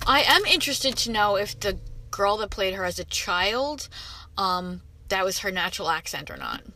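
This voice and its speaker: Bright, blunt woman in a film chat. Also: mid-range voice, very animated, normal speed. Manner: blunt, skeptical remarks. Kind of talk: casual film discussion.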